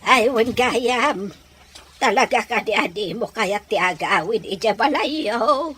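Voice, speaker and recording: An actress playing a gentle, affectionate, supportive old grandmother in a radio drama, with a Filipino Ilocano accent. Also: a little high, expressive, husky, heavily acted. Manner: affectionate, slow.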